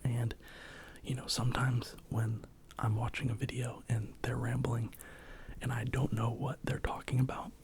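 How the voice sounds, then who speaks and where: An American man speaking in a soft, mostly whispered ASMR style, rambling casually and informally close to the microphone. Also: mid-range voice, flat delivery, normal speed, vocal fry, husky. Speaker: ASMR video creator.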